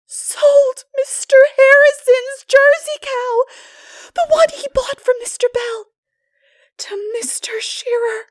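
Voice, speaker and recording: High, melodramatic teenage girl. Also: fairly even intonation, slow pace. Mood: distraught. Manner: breathless, exclamatory, dramatic. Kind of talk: dramatic audiobook character voice.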